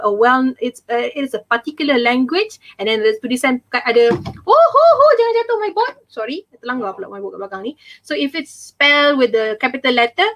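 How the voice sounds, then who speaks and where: A young woman with a Malaysian accent teaching an online English class, mixing in Malay and reading examples slowly with stress. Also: a little high, fairly bright tone. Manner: chatty, fills with "okay" and "ah". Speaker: English tutor.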